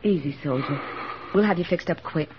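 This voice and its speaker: An actress playing a steady, plain-spoken army nurse lieutenant who narrates and soothes wounded men in a 1940s radio drama. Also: female voice, low-pitched, fairly quick, a little hiss or hum, natural voice. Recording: dull old radio broadcast with music.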